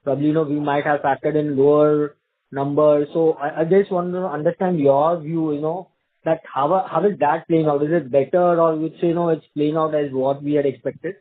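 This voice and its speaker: A man's voice: a little high, fairly even intonation, a little fast. A man speaking as a financial analyst, asking wordy questions over the phone on an earnings call. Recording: thin, narrow phone line.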